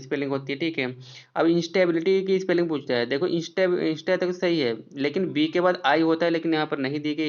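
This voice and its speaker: A man's voice: a little high, clear, resonant tone, dull audio. A man teaching exam spelling questions, going over each option and spelling words out letter by letter.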